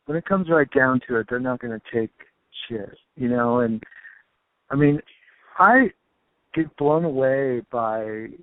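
A man's voice: medium pitch, lively intonation, measured pace, no room sound. A man muses loosely in casual chat, full of filler words. His voice sounds dry and thin, as if over a phone line. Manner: musing, loose, many fillers.

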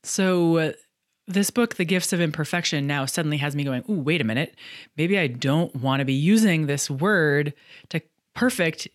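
A woman's voice: deep voice, no room sound, studio quality. A middle-aged woman hosting a solo podcast, talking through book reviews in a candid, chatty way with some self-deprecating humor. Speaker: podcast host and coach.

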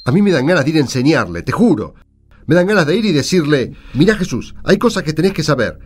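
A man's voice: fairly high pitch, very animated, fast talker, husky, soft background music. A man with an Argentine accent acting an indignant, hectoring disciple of Jesus in a radio drama. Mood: indignant, scornful. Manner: emphatic, hectoring, insulting. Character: indignant disciple of Jesus, scornful of a tax collector.

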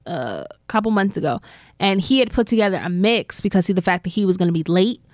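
Female podcast co-host, mid-pitched, chatty rambling storyteller, dry close mic. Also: animated, no room sound. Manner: chatty storyteller, drawn-out filler-laden retelling. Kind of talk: casual gossip chat.

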